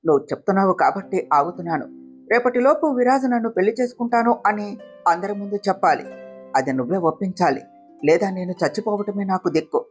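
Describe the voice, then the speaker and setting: A woman's voice: mid-range voice, lively intonation, quick pace, faint music behind, close to an everyday voice. A woman voicing a scheming young woman who whines and accuses in a read-aloud family story. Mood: whining. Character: scheming young woman, fake-crying and demanding.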